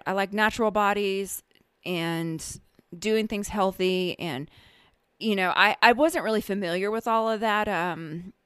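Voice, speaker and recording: A woman hosting a casual podcast, chatty and laughing often, her voice a little hoarse this morning. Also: medium pitch, a bit bright, dry recording, studio quality. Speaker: podcast host, energy healer.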